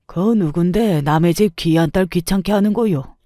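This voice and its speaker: A blunt, protective old man barks out short, plain orders in a mellow, low-key tone, as a woman puts him on. The dry recording has no room around it, fitting a storybook reading. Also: moderate pace, no echo, natural voice. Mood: indignant. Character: gruff elderly male neighbor, blunt and protective.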